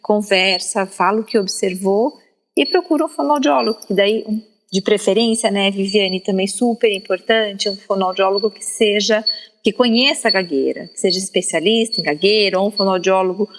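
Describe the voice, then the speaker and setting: Speaking at a normal speed and medium pitch, a Brazilian woman guesting on a podcast as a speech therapist teaches in an emphatic, didactic manner full of tag questions. The audio carries long reverb and a faint layer of background noise.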